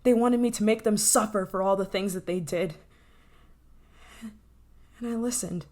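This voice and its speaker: A woman's voice: medium pitch, a little mellow, lightly acted. A woman playing an obsessive, menacing scientist in an intense, possessive ASMR roleplay. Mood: somber, confessing. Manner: intense, pleading, possessive, dramatic pauses. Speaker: voice actor in audio roleplay.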